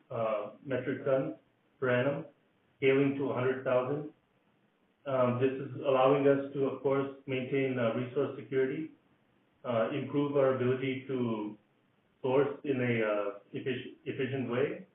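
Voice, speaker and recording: A man's voice: mid-range voice, fairly even intonation, moderate pace. A man presenting business results as a company executive on a conference call. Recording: echoey, distant, phone-like conference line.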